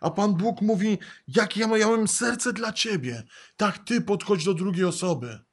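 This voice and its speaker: A man's voice: high-pitched, animated, a little slow, slightly rough. A man preaching a sermon earnestly, repeating phrases for emphasis, a father of young children. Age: adult, father of young children.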